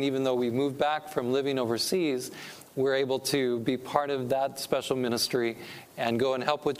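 A middle-aged man from California giving an earnest, preacherly talk to a church audience as a pastor and missionary speaker. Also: mid-range voice. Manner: earnest, preacherly, rising with emphasis on key points.

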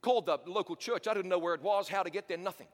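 A New Zealand man, his accent tinged slightly with American, preaches a sermon built around stories. He talks fast in a high voice, animated and chatty, tossing in self-mocking asides. Long hall reverb colors the recording.

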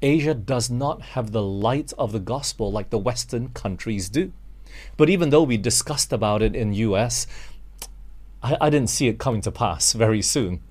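A man's voice: medium pitch, expressive, normal speed, a little mellow. A Malaysian man preaching a sermon, earnest and direct, calling his listeners friends and asking them rhetorical questions.

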